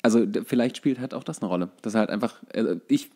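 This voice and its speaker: A man in his thirties with a fairly low voice chats casually about sports as a podcast co-host. He feels his way through his sentences, hesitating and thinking out loud. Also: fast, breathy edge. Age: 30s.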